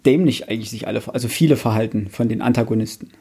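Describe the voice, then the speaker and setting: A man's voice: lowish voice, rapid-fire, vocal fry, dark tone, breathy edge. A man co-hosting a podcast in a casual book discussion, colloquial and blunt, now and then mildly crude. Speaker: podcast co-host.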